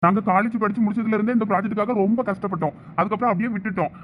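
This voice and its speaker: Young man for a comedy skit, pleading and playful, quick talker, faint noise. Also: high-pitched. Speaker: sketch actor. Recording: dull lo-fi recording.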